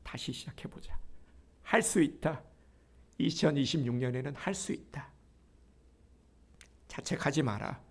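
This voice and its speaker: A man's voice: medium pitch, measured pace, long pauses, husky. A man giving voice to a tender, pleading fatherly God. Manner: soft, coaxing and gently urging.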